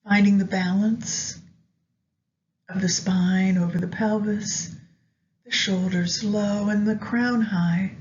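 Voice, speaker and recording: A woman narrating a guided meditation in a gentle, soothing, unhurried manner with long pauses. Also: medium pitch, fairly even intonation. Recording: dull lo-fi audio with background noise.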